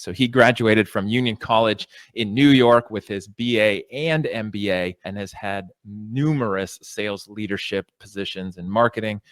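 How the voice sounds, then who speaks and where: A man's voice: lowish voice, no room sound. A man hosting an interview podcast, introducing his guest and asking questions in an upbeat, enthusiastic way. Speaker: podcast host.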